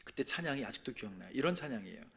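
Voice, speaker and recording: A man preaching a sermon as a pastor, telling a personal testimony and swinging between soft and loud. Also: medium pitch, expressive, very fast. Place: church sanctuary.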